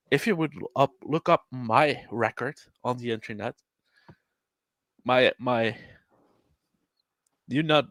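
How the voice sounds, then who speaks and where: A man from Belgium, a Dutch speaker, chatting casually and haltingly, often repeating words. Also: medium pitch, a bit bright, no room sound. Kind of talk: casual podcast chat.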